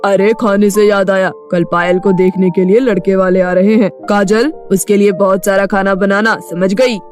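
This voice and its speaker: A woman's voice: medium pitch, fairly even intonation, moderate pace, a little mellow, pitched below the performer's own voice, lightly acted. A woman voicing a callous, bossy middle-aged father with a brusque manner in a storybook tale. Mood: brusque, dismissive. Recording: music behind the voice.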